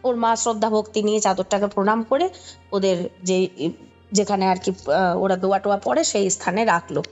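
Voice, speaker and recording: A woman's voice: medium pitch, steady tone, a little fast, a little mellow, faint music behind. A woman with a Kolkata Bengali accent recounting a story conversationally, explaining as she goes and checking in with the listener. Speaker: podcast guest recounting a ghost story.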